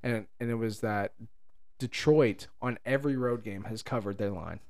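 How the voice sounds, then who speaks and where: A man's voice: lowish voice, normal speed, darkish tone. A young man co-hosting a casual podcast, rambling and playful. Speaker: podcast co-host.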